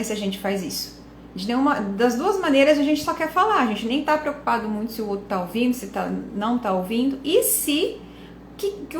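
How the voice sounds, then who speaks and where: A woman's voice: fairly high pitch, roomy sound, slight background noise. A woman, hosting a reflective talk to camera and often tossing in rhetorical and tag questions. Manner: conversational, asks rhetorical questions, frequent tag questions. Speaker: speech and listening coach, channel host.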